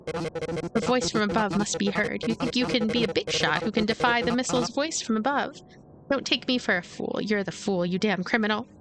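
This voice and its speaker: A woman voicing a fierce elderly woman who rants, shrill and wheezing, in a visual novel. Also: normal speed, a crowd in the background, natural voice. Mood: furious ranting. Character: fierce, ranting wounded elderly woman gunfighter.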